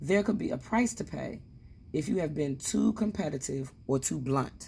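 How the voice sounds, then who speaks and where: A woman's very deep, low voice, dark and mellow, with very wide pitch swings and vocal fry. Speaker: spiritual oracle card reader. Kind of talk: casual spiritual talk; reading aloud from a card guidebook. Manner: blunt tone.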